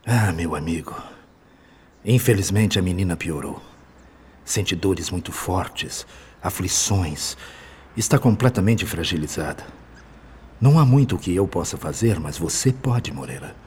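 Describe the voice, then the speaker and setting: A man acting in a radio drama as a kind, sorrowful, fatherly benefactor spirit, speaking gently and with compassion. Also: sits low, animated, a little slow. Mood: sad, pleading. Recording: clear background noise and ambience.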